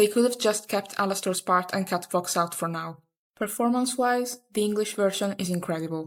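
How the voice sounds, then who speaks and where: Fairly quick speech from a woman with an Italian accent and ordinary pitch variation. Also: medium pitch for a woman. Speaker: video reviewer. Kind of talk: scripted review commentary.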